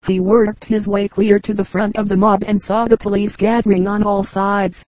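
Mellow woman reading an audiobook. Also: mid-range voice, level tone, normal speed, no room sound, poor audio. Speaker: audiobook reader. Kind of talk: scripted narration.

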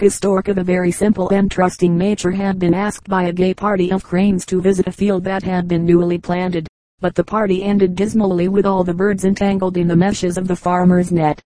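A woman reading fables aloud in a measured, even storybook narration. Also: fairly low pitch, no room sound, poor audio. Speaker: audiobook reader.

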